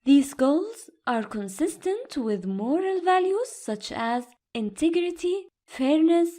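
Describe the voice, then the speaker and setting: A woman reading scripted audiobook-style narration with careful, measured enunciation. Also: sits high, very animated, warm tone. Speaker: voice-over narrator.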